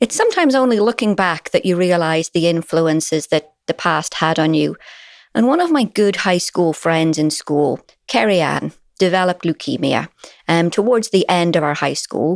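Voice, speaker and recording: Lively intonation comes at a moderate pace, with very even loudness. The recording is very clean, with a silent background and a dry, close sound with no echo. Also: woman, fairly low pitch for a woman. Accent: Northern Irish. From Northern Ireland, County Armagh. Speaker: hematologist, clinician scientist. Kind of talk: podcast interview.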